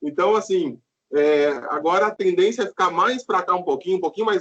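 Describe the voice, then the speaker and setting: A man's high-pitched voice carries lively intonation while he keeps a moderate tempo. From Brazil, São Paulo city. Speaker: security and leadership trainer. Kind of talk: interview conversation. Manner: casual.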